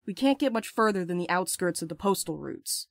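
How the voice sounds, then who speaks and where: A woman's voice: on the low side, lively intonation, brisk, gravelly, no room sound, studio quality. An actress playing a brash, impulsive young woman with crude, sarcastic banter in an audio drama. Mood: urgent. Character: brash, playful, impulsive young postal worker friend.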